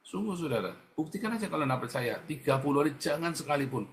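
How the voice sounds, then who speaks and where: A man's voice: fairly high pitch, lively intonation, quick pace. A male pastor preaching a sermon, exhorting and repeating himself as he speaks straight to his listeners. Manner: exhorting, repetitive, keeps addressing the congregation directly.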